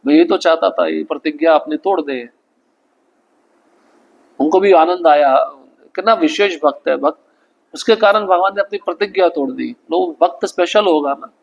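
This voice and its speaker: A man leading a devotional scripture class, retelling the story and chanting Sanskrit verses slowly. He often asks the class a question and then answers it himself. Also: on the high side, creaky, dull audio.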